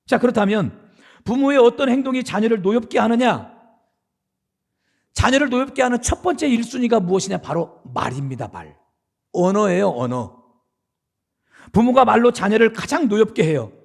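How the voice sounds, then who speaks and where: A man's voice: high voice, vocal fry, darkish tone. A middle-aged man, the senior pastor, preaching a sermon in a church sanctuary in a conversational way, asking his listeners questions.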